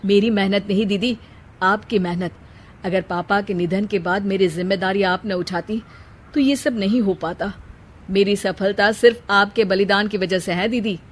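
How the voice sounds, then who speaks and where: A woman's voice: medium pitch, fairly even intonation, moderate pace, lightly acted. A woman voicing an earnest young brother. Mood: grateful. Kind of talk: storybook character voice.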